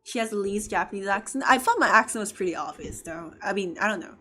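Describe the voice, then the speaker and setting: A woman's voice: mid-range voice, expressive, fast talker, pushed and bright. A woman with a Cantonese accent, chatting casually and ramblingly with her viewers as a game streamer. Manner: chatty, rambling, often laughing. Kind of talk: casual gaming-stream chat.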